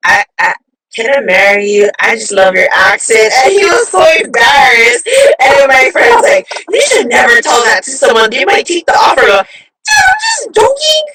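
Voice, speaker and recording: A woman from Hawaii hosting a chatty live interview, bubbly and quick to laugh, on her phone. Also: fairly high pitch, sing-song, sharp tone, raised voice. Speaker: show host. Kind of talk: casual live-stream interview. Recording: distant phone mic.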